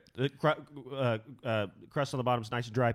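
Putting on a character voice, a man mumbles at a very fast pace in a medium pitch. His intonation is monotone and flat, with a dry, close sound and no echo. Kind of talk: food review. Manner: mouth full, chewing, mumbled.

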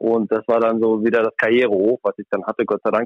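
A man is speaking. His pace is fairly quick. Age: 30s. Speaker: former professional footballer. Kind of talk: casual interview. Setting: phone call. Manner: halting.

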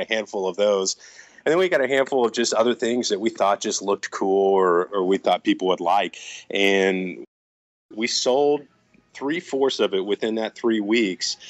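A man's fairly low voice, a normal speaking voice, with ordinary pitch variation at a moderate pace. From Texas (West Texas, North Dallas). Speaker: small business owner. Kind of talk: interview. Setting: in the showroom.

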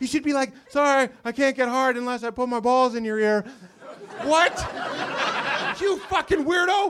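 A man's extremely high-pitched voice, fairly slow, with lively intonation and noticeable background noise. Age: 30s. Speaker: stand-up comedian. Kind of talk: stand-up. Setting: stage with audience.

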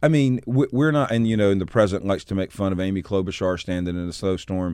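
Ordinary pitch variation marks this speech, delivered at a very fast pace. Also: man. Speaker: health care advocate. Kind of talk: interview.

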